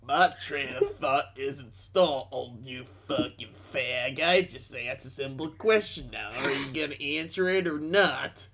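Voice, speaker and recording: A man's voice: medium pitch, unhurried, few pauses, fairly bright tone. A man playing a dim, belligerent, crude redneck internet commenter in a comic dramatic reading, with blunt, sweary delivery. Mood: indignant, sullen.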